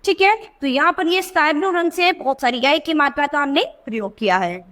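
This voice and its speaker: High-voiced woman teaching children. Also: fairly bright tone. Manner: asks children questions and answers them herself; stretches out words slowly to show the sounds. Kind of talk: children's lesson.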